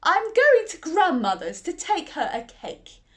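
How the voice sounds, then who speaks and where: A woman voicing a cheerful little girl in a red hood from a children's storybook, bright and eager. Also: very high voice, huge pitch swings, unhurried, pitched above the performer's own voice, exaggerated voice.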